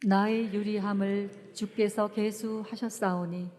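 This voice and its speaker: Flat, slow woman reading scripture in a church. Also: medium pitch. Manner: slow, solemn recitation. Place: church sanctuary. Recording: distant voice in a reverberant church.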